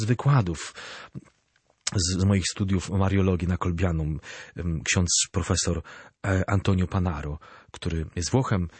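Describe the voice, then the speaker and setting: A man, a Catholic priest, giving a catechism talk as an animated storyteller who speaks directly to his listeners. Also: low-pitched, breathy edge, no room sound.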